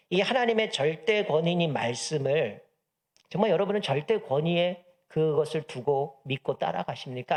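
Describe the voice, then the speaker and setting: A male pastor delivering a Sunday sermon in a lively, swooping voice that sits a little above the usual male range. He slips into the characters' lines as he explains the passage, then returns to addressing his congregation. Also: sits high. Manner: animated preaching, acts out dialogue of devil and God in a humorous anecdote.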